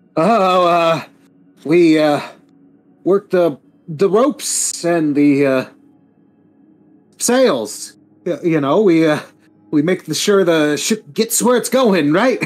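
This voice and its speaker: In a shrill, put-on character voice at a middle pitch, the speaker sounds nervous, talking at a very slow pace with long, frequent pauses over faint background music. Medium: actual play. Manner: stammering, nervous.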